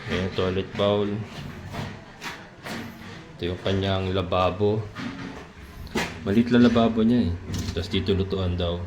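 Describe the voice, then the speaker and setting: A man vlogging a casual walking tour of a land development outdoors, chatty and quick to laugh as he points things out to his viewers. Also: sits low, steady tone. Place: outdoors at a rural lot by a road. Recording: outdoor phone recording with loud traffic noise.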